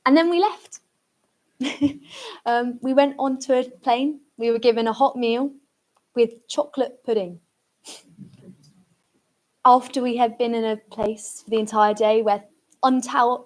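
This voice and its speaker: A woman with a fairly high-pitched voice gives a reflective public talk. She sounds earnest and repeats phrases for emphasis as she addresses her listeners. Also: fairly even intonation, a little slow, long pauses. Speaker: speaker at a commemorative event.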